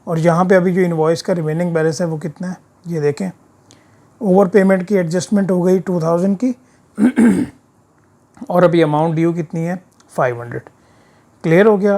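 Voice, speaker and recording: In this screen-share voice-over, an instructor of an accounting software course gives a casual, step-by-step walkthrough despite a sore throat. His voice sits a little high, and he keeps checking understanding with quick tag questions.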